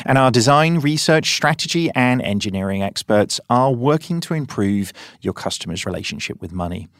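A man's voice: medium pitch, no room sound, studio quality. A man reading a scripted promotional spot for a company in an upbeat, punchy way. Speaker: ad announcer.

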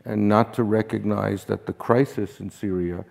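A man interviewing a guest, speaking in a measured, direct way. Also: on the low side, fairly even intonation, gravelly, a little mellow. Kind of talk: conversational interview.

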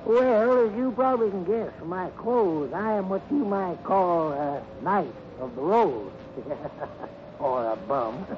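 Animated, folksy old hobo. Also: male voice, high-pitched, slow pace. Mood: jovial, folksy. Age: older. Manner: folksy drawling phrases, chuckling. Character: genial, wistful old hobo. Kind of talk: 1950s radio western acting. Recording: noisy, muffled old radio recording.

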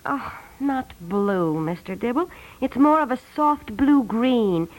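A woman's voice: a little high, lively intonation, slow pace, a little mellow, poor audio. A woman playing a fussy, insistent housewife in a 1950s radio comedy, dithering and over-explaining every detail. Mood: fretful, eager. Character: fussy, insistent housewife choosing paint colors. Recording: vintage 1950s radio recording.

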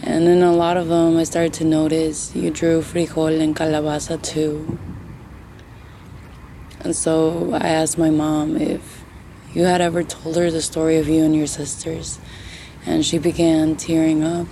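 A woman playing a grieving young grandchild in a hushed, halting, intimate audio fiction monologue. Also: sits low, little pitch movement, slight background noise. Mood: tender, grieving.

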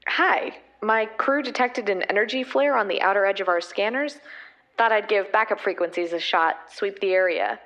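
An actress playing a charming, inexperienced young starship captain, talking eagerly over a radio link. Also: female voice, medium pitch, moderate pace, fairly bright tone, lo-fi sound, natural voice.

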